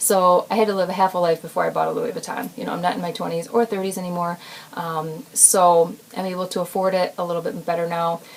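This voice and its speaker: At a very fast pace, a woman speaks at a medium pitch with fairly even intonation over noticeable background noise. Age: 40s. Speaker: beauty and fashion vlogger. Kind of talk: casual chat.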